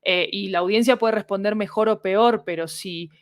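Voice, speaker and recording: A woman with a Latin American Spanish accent explaining her work in an interview, animated and often checking that the listener follows. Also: mid-range voice, moderate pace, no room sound, clean studio sound. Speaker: podcast fiction producer, interviewed guest.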